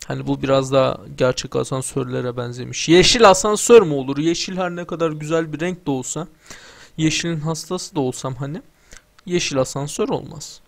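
A man's voice: fairly high pitch, fairly quick, vocal fry. A young man giving casual let's-play commentary, joking, swearing and talking back to the game's characters. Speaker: gamer playing through a video game.

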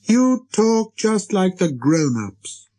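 Storybook child prince, performed by an adult man: high, light voice, earnest, insistent, quick to indignation, swooping intonation. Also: big pitch swings, mellow, exaggerated voice. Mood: indignant. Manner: insistent, questioning. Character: earnest, persistent, easily indignant little boy prince.

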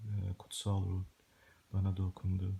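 A middle-aged man from Germany giving a personal religious testimony in halting, broken Turkish, searching for words like a long-time emigrant. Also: low-pitched, completely flat delivery, gravelly, mellow. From Germany, born and raised. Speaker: Christian testimony video maker. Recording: hissy home recording with clicks.

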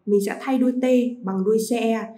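High-voiced woman teaching vocabulary. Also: fairly even intonation, mellow, roomy sound, low-quality recording. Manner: repeats each English word slowly, then explains. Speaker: English teacher. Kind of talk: vocabulary lesson for pupils.

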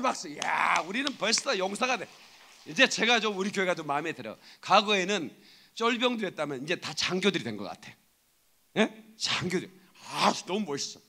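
High, lively-voiced preaching man. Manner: rousing, calls out to the congregation for responses; jokey asides between preaching. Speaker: pastor. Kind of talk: lively sermon. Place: church sanctuary.

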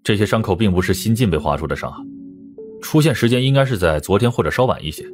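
A man plays a forensic police doctor in a detective audiobook. He is earnest and analytical, reasoning firmly in a very low voice over faint music. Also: expressive, quick pace, lightly acted. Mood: firm, certain. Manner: explanatory, firm, reasoning step by step.

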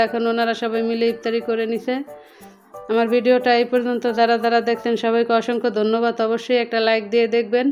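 A woman with a Bangladeshi accent narrates a casual home vlog. Her pitch sits a little high and barely moves at all. Music plays faintly behind her. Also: darkish tone, muffled recording. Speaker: home vlogger. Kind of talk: casual voice-over narration of a daily cooking vlog. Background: background music.

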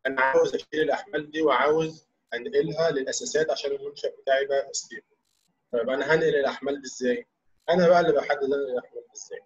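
A young man in his twenties with an Egyptian accent, an engineering student explaining a technical topic, heard over blurry, muffled low-quality stream audio. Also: fairly even intonation, husky. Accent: Egyptian Arabic. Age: 20s. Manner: rapid explaining with frequent drawn-out fillers. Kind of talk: technical presentation over an online call. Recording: dull lo-fi online call audio.

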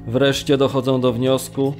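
A male actor plays a man held in a brutal camp, bearing witness in a radio play. His voice sits at a medium pitch as he recounts his ordeal. Faint music runs underneath. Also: little pitch movement, moderate pace, darkish tone, close to an everyday voice. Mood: grim, harrowed. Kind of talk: dramatised documentary narration of survivor testimony.

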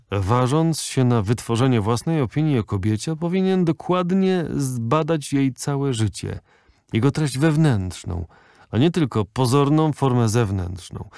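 A man reading an audiobook, voicing a proud, disdainful old lady who speaks stiffly and slowly. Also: mid-range voice, creaky, darkish tone, dry recording, studio quality. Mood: haughty.

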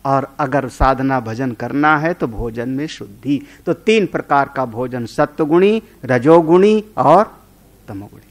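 A man's voice: medium pitch, lively intonation, unhurried. A man, a Hindu spiritual teacher, giving a conversational sermon on scripture. He tells homely stories and often checks in with his listeners.

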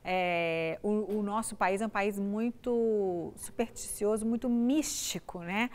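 In a TV studio, a middle-aged woman pastor with a Brazilian Portuguese accent gives a brief devotional talk to the viewer through a lapel mic, conversational and often asking "né?". Her medium-pitched voice is slow with a darkish tone.

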